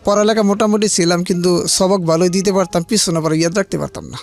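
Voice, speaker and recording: Gravelly, higher-voiced male guest, hesitant. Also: fairly even intonation, quick pace, a little mellow, soft background music. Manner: hesitant, restarts, plain colloquial speech. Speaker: guest telling his life story. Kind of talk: halting personal storytelling.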